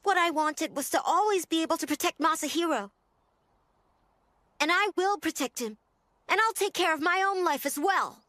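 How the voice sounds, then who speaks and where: A woman voicing a small, sharp-tongued male spirit creature in an anime dub, bossy and impatient. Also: extremely high pitch, expressive, moderate pace, no room sound, exaggerated voice. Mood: earnest.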